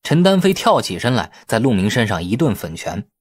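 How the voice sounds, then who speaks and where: A man's voice: fairly low pitch, sing-song, fairly quick, slightly rough, dry recording, studio quality. A man reading a novel aloud as a scripted narration, in the role of audiobook narrator.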